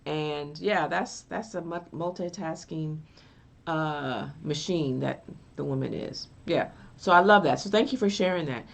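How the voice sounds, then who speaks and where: Woman radio host, slow and gravelly, encouraging, affirming. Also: low-pitched. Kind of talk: radio interview.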